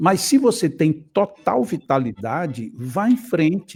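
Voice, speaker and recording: This man's fairly high pitch swings very widely as he speaks. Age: 70s. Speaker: spiritist lecturer and author. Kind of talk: live radio talk answering questions.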